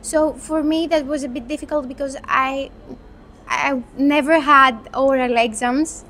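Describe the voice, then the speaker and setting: Young Greek woman, high voice. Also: steady tone, a bit bright, slight background noise. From Greece. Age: 20s. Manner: thoughtful, unhurried, with restarts. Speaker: medical student. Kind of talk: interview.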